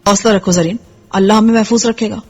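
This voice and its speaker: A woman voicing a captive young man who calmly reassures his companion, in a hushed, breathy way. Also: medium pitch, soft background music, natural voice. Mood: reassuring.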